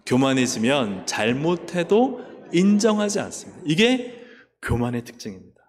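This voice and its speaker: A man's voice: fairly high pitch, very animated, normal speed. A male pastor with a Busan accent preaching a sermon, asking the congregation questions and acting out Bible figures' voices. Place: church sanctuary. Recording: echoey church hall.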